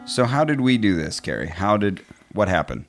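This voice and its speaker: A man with a notably low voice co-hosts a casual podcast. He talks freely, pokes fun at himself and laughs often. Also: sing-song, normal speed, loud music behind the voice. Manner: chatty, laughs often, self-deprecating. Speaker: podcast co-host.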